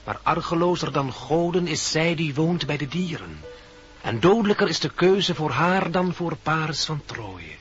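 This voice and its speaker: An actor playing a solemn, foreboding poetic storyteller, declaiming as narrator of a radio play. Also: male voice, fairly high pitch, sing-song, moderate pace, fairly bright tone, faint music behind. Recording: dull old radio recording.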